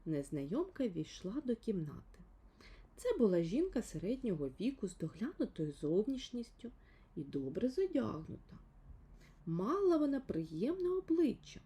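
Female children's storyteller: mellow, soft-edged husky tone, lively melodic narration. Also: on the high side. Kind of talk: expressive scripted fairy-tale narration.

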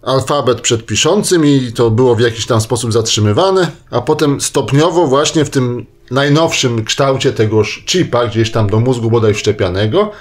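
A man's voice: medium pitch, normal speed, hardly any pauses. A man delivering a semi-improvised popular-science column for radio, discursive and hedging, with frequent tag questions.

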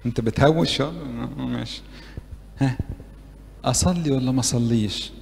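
A man's voice: mid-range voice, normal speed, gravelly, in a large hall. A man with an Egyptian Arabic accent preaching a sermon to young people, asking them questions and acting out prayers. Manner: lively, asks the audience questions and acts out prayers. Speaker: priest preaching to university youth. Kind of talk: interactive sermon. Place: church meeting hall.

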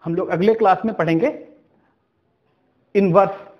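A man's voice: high voice, fairly even intonation, darkish tone, highs cut off. A man teaching a maths lesson, working step by step through problems and often asking whether the class understood. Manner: slow, step-by-step, checks understanding with questions.

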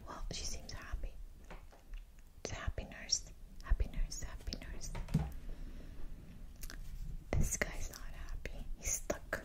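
A woman hosting ASMR in a breathy whisper close to the microphone, chatting casually and softly repeating words and phrases. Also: slow pace, pauses often, low-quality recording. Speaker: ASMR video host. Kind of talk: whispered ASMR, casual and playful chat while showing objects. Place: small indoor room, seated at a table. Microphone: large desktop microphone, close up.

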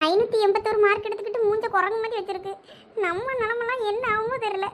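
A woman with a Thoothukudi Tamil accent performs a village comedy skit in an extremely high, piping voice. She frets and worries melodramatically, loading each line with drama. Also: fairly even intonation, fast talker, background noise. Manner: fretful, melodramatic worrying. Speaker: comedy sketch creator playing several villagers.

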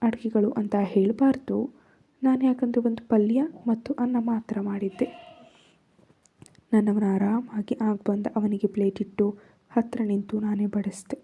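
A woman's voice: mid-range voice, flat delivery, unhurried, husky, highs cut off. A woman narrating a first-person love story in Kannada-accented speech, raising her voice for quoted lines.

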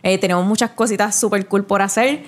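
A woman, co-hosting a podcast in casual chat, teasing and quick with interjections. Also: mid-range voice, fairly even intonation. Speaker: podcast co-host.

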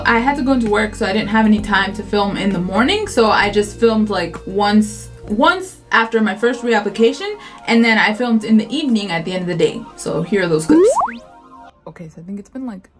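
A woman's voice: mid-range voice, animated, a little fast, soft background music. Chatty slangy woman beauty vlogger. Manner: chatty, slangy, playful asides. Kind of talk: casual product review vlog.

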